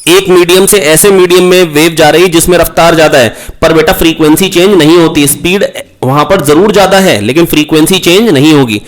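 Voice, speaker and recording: A man's voice: on the high side, a little fast, few pauses. Coaxing man teaching physics. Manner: coaxing, repeats key points, calls students "beta"; asks rhetorical questions, prompts answers. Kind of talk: online exam-prep lecture.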